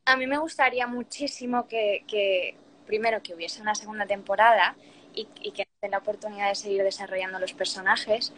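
A woman's voice: mid-range voice, steady tone, a little fast, fairly bright tone, slight background noise, rough recording. A young woman in her twenties with a Spain Spanish accent, chatting casually on a phone live stream and switching between Spanish and English. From born in Puerto Rico, raised in Spain. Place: small room indoors. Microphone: phone front camera, close.

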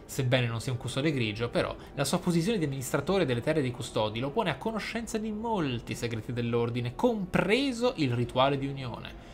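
A man, a gaming host reading in-game text aloud expressively, with casual, playful asides. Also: medium pitch.

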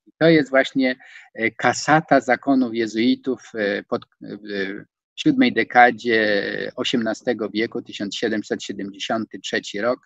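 A man in his sixties giving an online lecture from a home study, hesitating with many fillers and stressing words with rising pitch. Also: no echo. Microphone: video call. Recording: dull, dry video-call audio.

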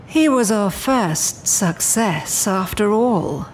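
Immortal female demon, audio drama, refined, commanding, quietly threatening, unhurried delivery, faint ambient noise. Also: medium pitch, animated, rough recording. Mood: composed, reflective. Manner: genteel, deliberate, coolly imperious. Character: poised, menacing immortal female demon in charge.

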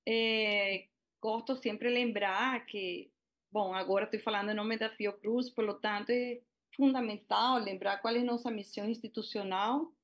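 A woman's voice: medium pitch, fairly even intonation, normal speed. A middle-aged woman from Venezuela, speaking with a Spanish accent, presents remotely over a video call at a public hearing, hesitating often with fillers and restarts.

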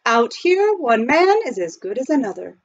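A woman voicing an excitable, boastful young boy from the gold diggings in a storybook reading. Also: a little high, normal speed, no echo, lo-fi sound. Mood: proud. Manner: boastful, exclamatory.

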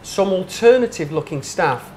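A man's voice: sits high, lively intonation, normal speed, darkish tone, a little hiss or hum. A man in his thirties hosting a casual chat in a restaurant, reading reviews aloud with dramatic emphasis. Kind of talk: casual interview. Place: restaurant dining room. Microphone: lapel mic.

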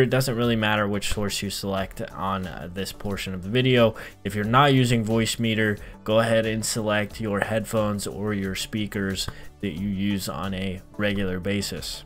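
A man in his thirties hosting a software tutorial, explaining things methodically step by step in an instructional style. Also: lowish voice. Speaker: tutorial host. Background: background music.

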